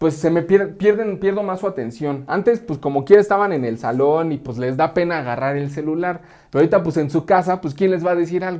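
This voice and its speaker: Talking at a fairly quick pace over a quiet background, a man with a Mexican accent has a high pitch, ordinary pitch variation and a dark, mellow tone. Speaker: teacher. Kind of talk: online lecture. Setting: live online class. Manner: loud.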